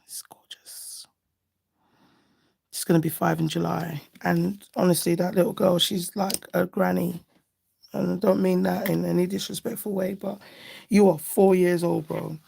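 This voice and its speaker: Casual livestream host: woman, slightly lower-pitched, gravelly and hoarse, chatty and affectionate. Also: steady tone, normal speed, dark tone. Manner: chatty, affectionate, thinking aloud. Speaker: nail art livestream host. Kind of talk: casual live chat while doing nails.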